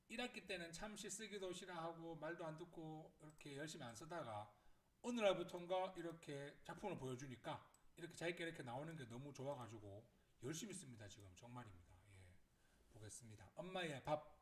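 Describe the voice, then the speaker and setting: A man teaching a lesson, talking through children's poems. His pitch swings widely as he keeps asking the listener to agree. His voice sits a little high for a man. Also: brisk. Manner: animated, asks the viewer to agree. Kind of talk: lesson video, reading and explaining pupils' poems.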